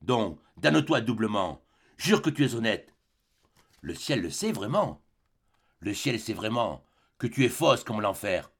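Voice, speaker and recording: A man's voice: fairly low pitch, sing-song, unhurried, pauses often, breathy edge, exaggerated voice. A man reading a play aloud, voicing a jealous, tormented general with harsh, accusing outbursts.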